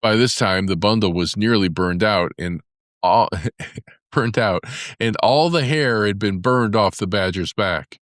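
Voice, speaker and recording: A man narrating a fairy tale as a storybook, in a measured storytelling manner. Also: lowish voice, a bit bright, dry recording, clean studio sound. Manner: measured storytelling with character voices for dialogue.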